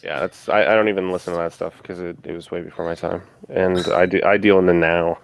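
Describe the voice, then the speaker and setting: A man hosting a casual podcast chat about a tabletop game, relaxed and rambling, with many fillers and restarts. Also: low voice, fast talker, vocal fry, no echo, low-quality recording. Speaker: podcast host.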